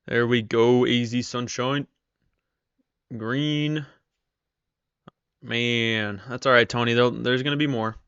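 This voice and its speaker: Man, live-stream host, voice going hoarse, chatty, bright tone, dry close sound. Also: mid-range voice, steady tone, slow, long pauses, no room sound, highs cut off. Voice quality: strained, tired voice. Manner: chatty, reads viewer comments aloud. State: losing his voice. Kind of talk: casual live-stream chat.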